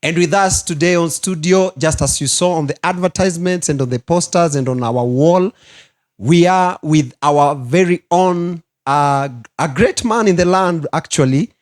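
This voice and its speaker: A man hosting a studio talk show, greeting his guest with animated, drawn-out emphasis. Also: fairly high pitch.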